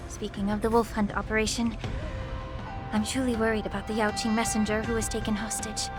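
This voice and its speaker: A woman voicing a poised, shrewd official in a video game, speaking in a formal, measured, courteous way. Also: medium pitch, little pitch movement, music in the background, lightly acted. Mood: worried. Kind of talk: video game story dialogue.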